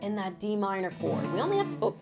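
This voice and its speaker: A woman's voice: medium pitch, very animated, fast, creaky. An upbeat, encouraging woman in her thirties with an alto voice, teaching a guitar lesson to camera in a home studio and singing along. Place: home studio room, indoors. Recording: acoustic guitar playing under the voice.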